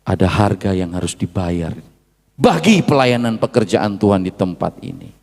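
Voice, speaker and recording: A male pastor preaching a sermon, dropping from low murmurs to loud high shouts and slipping into asides. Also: animated, moderate pace, vocal fry. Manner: mixes Indonesian with Javanese asides. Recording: long hall reverb.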